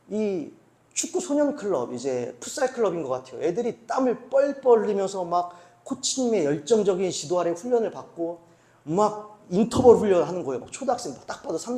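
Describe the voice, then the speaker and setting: A man's voice: on the high side, warm tone. A male senior pastor preaching at a church retreat, telling stories and asking the congregation rhetorical questions. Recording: roomy hall echo.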